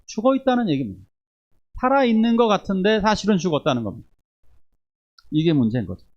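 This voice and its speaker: A man preaching a sermon as pastor, moving between forceful exhortation and quiet asides to the congregation. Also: high-pitched, big pitch swings, quick pace, dull audio. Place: church sanctuary.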